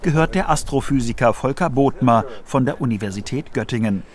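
A man's voice: medium pitch, a little fast. A man reading scripted science documentary narration for a radio feature.

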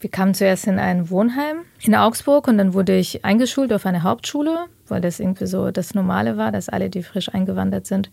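A woman in her thirties from Ukraine with a somewhat gravelly voice, recorded dry and close. She speaks calmly and thoughtfully, recounting her own experiences in a measured way and reflecting on them. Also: mid-range voice, dry recording. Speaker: interview guest. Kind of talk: reflective personal interview.

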